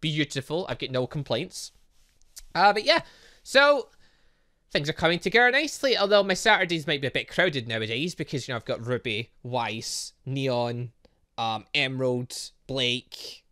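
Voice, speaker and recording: A man's voice: medium pitch, lively intonation, moderate pace, bright, forceful tone. A young man playing a visual novel on his channel, reading the dialogue aloud and rambling through a chatty outro. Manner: chatty, rambling, humming filler sounds. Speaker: gaming YouTuber. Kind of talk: let's play commentary, reading dialogue aloud.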